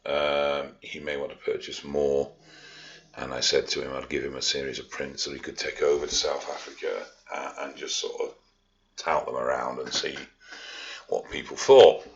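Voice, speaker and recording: A man's voice: very deep voice, level tone, normal speed, gravelly, highs cut off. A Yorkshire man answering viewer questions in a casual vlog, blunt and dry-humoured, swearing freely. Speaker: fitness and art vlogger. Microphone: own vlog mic.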